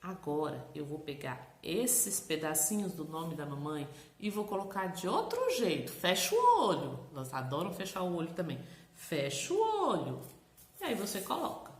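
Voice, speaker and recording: A woman's voice: sits low, normal speed, few pauses, reverberant. A woman with a Brazilian Portuguese accent, a literacy teacher giving encouraging, instructional advice to parents. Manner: animated, encouraging, checks in with "tá bom?".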